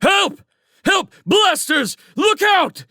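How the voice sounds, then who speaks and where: Man acting frantic shrieking soldier, very high-pitched. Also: very animated, very slow, bright, forceful tone, no room sound, clean studio sound, full character voice. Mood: panicked. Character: panicked young male soldier scout, shrieking and combative. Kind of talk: dramatic audiobook character acting.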